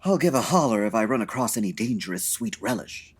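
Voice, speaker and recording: An actor playing a fussy, long-suffering gay best friend in a comic detective radio drama, arch, wry and aggrieved. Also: male voice, lowish voice, expressive, quick pace, a little hiss or hum, close to an everyday voice. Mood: wry grumbling. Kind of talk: comedic 1940s radio detective acting.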